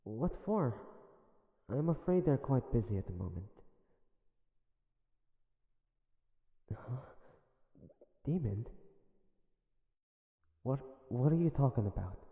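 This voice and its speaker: A man playing an earnest, emotional young hunter in an audio drama, speaking haltingly with stammers. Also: medium pitch, sing-song, breathy edge, no echo, phone-quality sound, full character voice. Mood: polite, puzzled. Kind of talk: dramatic audio roleplay acting.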